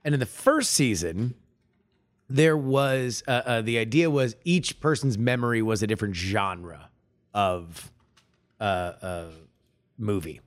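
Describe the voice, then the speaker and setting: A man co-hosting a podcast in casual chat, halting with many fillers and restarts. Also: lowish voice. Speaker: podcast co-host.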